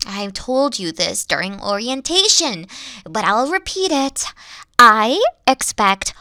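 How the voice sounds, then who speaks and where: A woman's voice: a little high, big pitch swings, takes it slowly, long pauses, sharp tone, no echo, studio quality, exaggerated voice. A woman playing a dorky, theatrical evil queen who is secretly sweet, talking pompously and then slipping into casual speech in a comedic audio roleplay. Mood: polite, chirpy villainy. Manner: grandiose, pompous villain talk slipping into casual dorkiness. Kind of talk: comedic character roleplay monologue.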